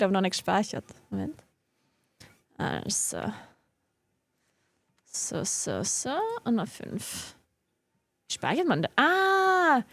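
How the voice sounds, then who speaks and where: A woman's voice: fairly high pitch, no echo. A young woman with a regional German dialect, chatting casually and giggling often while streaming a game from her home office. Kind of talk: casual live-stream chat while gaming.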